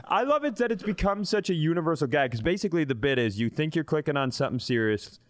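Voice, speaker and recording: A man's voice: a little high, very animated, fast talker. A middle-aged man, a comedian hosting a podcast, bantering casually, acting out quotes and swearing freely.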